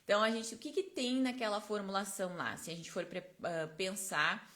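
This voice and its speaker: A woman's voice: mid-range voice, expressive, a little fast, a bit bright. A woman teaching a live online class, chatty and explanatory, tagging her points with constant little check-in questions, close to her microphone. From Brazil. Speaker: esthetics course instructor. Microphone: close personal microphone.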